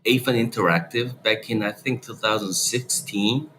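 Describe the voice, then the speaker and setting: A man from South Korea, a company founder telling his story in an animated way as an interview guest. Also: lowish voice, normal speed, slight background noise, low-quality recording. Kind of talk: interview answers.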